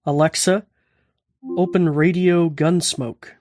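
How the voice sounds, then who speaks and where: A man's voice: fairly high pitch, fairly even intonation, slow, a little mellow. An American man hosting a podcast, giving a casual tutorial and calling out voice commands. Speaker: podcast host and instructor.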